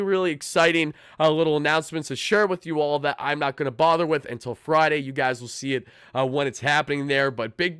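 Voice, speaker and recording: A young man with a raspy, hoarse voice from shouting, hosting a pregame live stream and talking fast and fired up as a fan. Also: fairly high pitch, no room sound, clean studio sound. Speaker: sports channel host.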